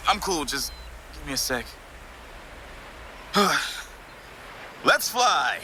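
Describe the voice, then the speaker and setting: A man playing a cocky, excitable young husband turned superhero in an audio drama, with slangy, laid-back wording. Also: a little high, drawn-out words, slight background noise, full character voice. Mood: cocky, eager. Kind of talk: acted audio fiction dialogue.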